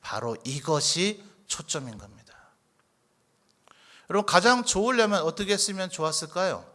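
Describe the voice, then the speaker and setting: A man's voice: sits high, lively intonation, normal speed, pushed and bright. A male pastor preaching a sermon in church, asking rhetorical questions and acting out quoted lines from scripture. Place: church sanctuary.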